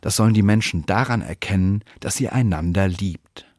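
A man voicing a calm, patient teacher who asks gently and speaks slowly. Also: sits low, no room sound, clean studio sound. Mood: earnest.

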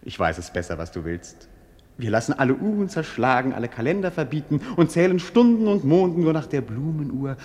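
A dreamy young prince in a classic radio play. His voice sits a little high and moves with lively, expressive intonation. The delivery is lyrical and theatrical, touched with irony. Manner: lyrical, theatrical, gently ironic.

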